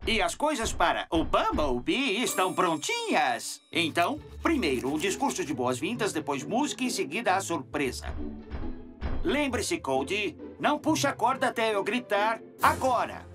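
An actor playing a fussy, dramatic young robot helicopter in a cartoon dub, with a Brazilian accent. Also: male voice, sits high, wildly swooping pitch, unhurried, fairly bright tone, heavily acted. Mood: eager. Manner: dramatic, exclaiming. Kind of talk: animated series dub acting. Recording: music under the voice.

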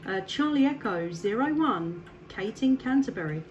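A woman's voice: medium pitch, lively intonation, moderate pace, muffled recording, very noisy. A woman from England chatting casually with a distant contact over CB radio from her home station, laughing often and filling gaps with ums. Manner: friendly, laughs often, many fillers. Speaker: CB radio operator.

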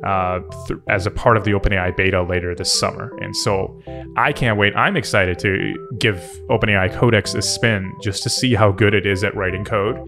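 A man's voice: on the low side, fairly even intonation, fairly quick, creaky. A man hosting a tech video, giving casual off-the-cuff commentary in a hesitant, thinking-aloud manner. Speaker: tech video host and software developer. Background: background music.

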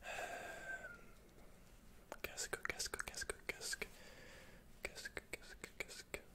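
A young man with a French accent, whispering hesitantly and softly in a breathy ASMR roleplay as an awkward, introverted computer shop keeper. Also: extremely high pitch, monotone. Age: young adult. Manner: hesitant, halting, soft-spoken. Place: indoors, dark backdrop. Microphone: close microphone.

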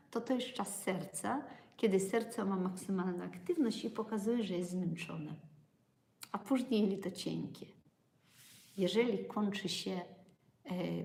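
A woman's voice: mid-range voice, vocal fry, darkish tone. Lady talking live into her phone, chatty, asks viewers stuff, roomy echo. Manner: chatty, asks the audience questions. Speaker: livestream host, acupuncture educator. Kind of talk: casual live-stream talk to viewers.

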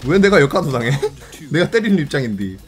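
A man calls his own fighting game match live, mocking himself and yelping at surprises. His voice sits a little high and swings widely in pitch. Game music plays clearly behind him. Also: quick pace. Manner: excitable, self-mocking play-by-play with sudden yelps. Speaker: game streamer.

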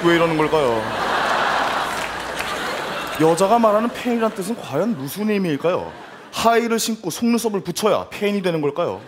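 A high, animated male voice narrates a comedy sketch with mock gravity, firing off rhetorical questions and slipping into laughter. He talks fast. It is a live stage recording with a crowd and noise behind him. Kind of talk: comic mock-serious narration. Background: audience crowd.

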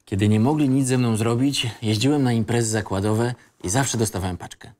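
A man's voice: medium pitch, a little fast, a little mellow, lightly acted. Man acting a reflective young man. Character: young man of 25, reflective, recalling his childhood.

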